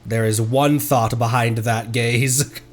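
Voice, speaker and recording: A woman's voice: extremely low pitch, fairly even intonation, slow pace, faint music behind. A woman streaming a game, chatting casually in a playful, reactive manner.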